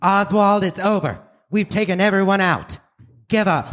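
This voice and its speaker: A man's voice: sits high, normal speed, fairly bright tone, voice pushed up. A man playing an earnest, dramatic action hero in a live comedic radio play. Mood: urgent. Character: earnest heroic action sidekick, urgent and dramatic.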